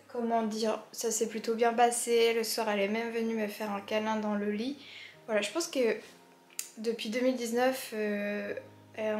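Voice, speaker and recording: Woman chatting to her vlog camera, kinda high voice, stuffy nose, lots of ums, echoey room. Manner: chatty, rambling, with many fillers and restarts. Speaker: vlogger. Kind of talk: casual vlog chat to camera. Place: indoors in a holiday rental, later outdoors by a bay. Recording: roomy echo with faint background music.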